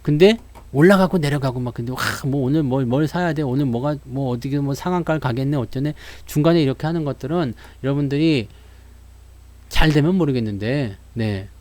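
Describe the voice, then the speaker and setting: A man's voice: medium pitch, a little fast, darkish tone. A man giving a live stock market lesson, acting out investors' worries and answering them while talking straight to viewers. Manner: addresses viewers directly with frequent fillers.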